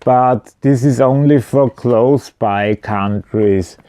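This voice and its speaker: Man, unhurried, smooth clear voice, informal explainer, matter-of-fact, slightly hesitant. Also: medium pitch, warm tone, dry recording. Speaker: video presenter. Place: indoors at home.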